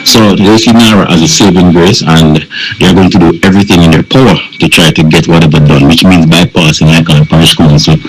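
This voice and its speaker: A man's voice: deep voice, steady tone, brisk, music in the background. A man in a voice note, explaining political plans. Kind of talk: political discussion. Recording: noisy voice note.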